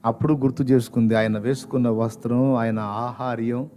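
Dramatic male pastor telling a story. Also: normal speed. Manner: dramatic, swinging between loud outbursts and hushed lows. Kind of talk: sermon storytelling. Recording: faint background music.

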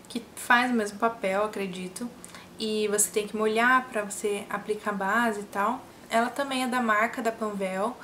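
A woman's voice: mid-range voice, a bit bright, a little hiss or hum. A young woman from Brazil chatting casually to the camera about things she bought, upbeat and talkative. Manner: chatty and upbeat, showing products. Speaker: beauty vlogger. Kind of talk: casual haul chat to camera. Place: small room with makeup shelves, indoors.

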